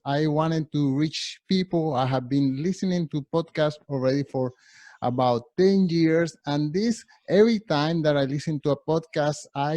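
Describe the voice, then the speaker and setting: A man's voice: medium pitch, darkish tone, no room sound. Spanish-accented man giving a workshop talk. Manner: halting, many restarts and fillers. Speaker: workshop presenter.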